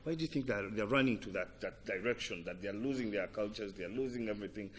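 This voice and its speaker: A man's voice: fairly low pitch, slight background noise. A man with a Ugandan accent interviewing conversationally, feeling his way through questions with repeated words. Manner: halting, repetitive questioning. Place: TV breakfast show interview.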